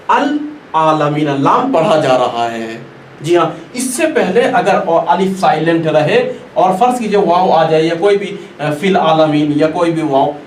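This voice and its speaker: A man teaching a Quran recitation class, patiently repeating and stretching out each example word. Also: a little high. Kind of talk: classroom lesson. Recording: echoey room, distant mic, faint noise.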